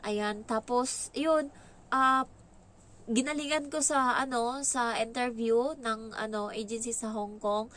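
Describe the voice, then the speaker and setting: A woman's voice: fairly high pitch, steady tone, slow, fairly bright tone, slight background noise. A young woman with a Filipino accent telling a story in casual vlog chat. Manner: chatty, acts out quoted lines in a raised voice. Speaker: vlogger.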